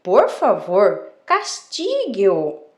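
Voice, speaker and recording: A woman's voice: mid-range voice, wildly swooping pitch, extremely slow, echoey room, exaggerated voice. A woman voicing a stubborn, boastful donkey in a children's fable, speaking insistently.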